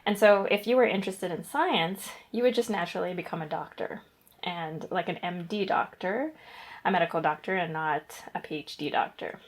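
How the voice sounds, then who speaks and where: A woman's voice: on the low side, moderate pace. A young woman from Guyana, a guest researcher, answering interview questions in a chatty, rambling way with fillers and self-corrections.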